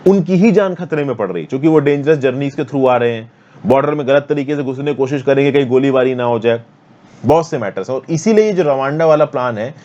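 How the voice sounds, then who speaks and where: A man's voice: medium pitch, fast talker, dark tone, dull audio. A man from India teaching an exam-prep lesson on current affairs in casual Hindi mixed with English terms, checking in with his students often. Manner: explains with map, frequent "thik hai na". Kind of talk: exam-prep editorial explainer.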